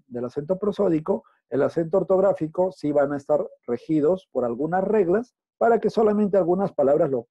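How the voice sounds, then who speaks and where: A male teacher from Peru, speaking with a Peruvian Spanish accent, gives a recorded class, explaining step by step and often checking that students keep up. His voice is fairly high and mellow, captured in a dry, dull lo-fi recording.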